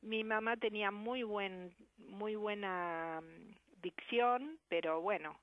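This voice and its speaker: A woman with an Argentine Spanish accent, a sign language interpreter answering a radio interview in a measured, reflective way over the phone. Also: mid-range voice, no echo. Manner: measured, reflective, careful diction. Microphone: telephone. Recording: muffled phone line.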